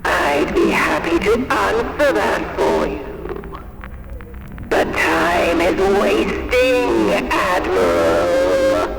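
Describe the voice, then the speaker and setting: Gloating villain for horror audio drama: high, swooping, creaky delivery, theatrical and falsely courteous. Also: male voice, wildly swooping pitch, very slow, exaggerated voice. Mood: gloating politeness. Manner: mock-polite, theatrical, gloating. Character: suave, sinister male mastermind presiding over a deadly manor. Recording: echoing hall, music behind.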